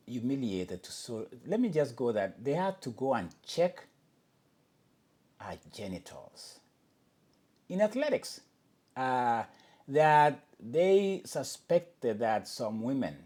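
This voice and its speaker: A man's voice: medium pitch, darkish tone. A man hosting a podcast, delivering an impassioned, emphatic monologue and often restarting his sentences. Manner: emphatic, questioning, with frequent restarts and fillers. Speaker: podcast host.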